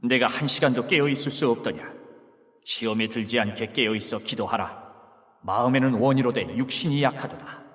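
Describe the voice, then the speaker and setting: An actor in an audio Bible drama playing a calm, solemn grown man who speaks with authority, in a measured, scriptural way. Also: mid-range voice, big-room sound, lightly acted.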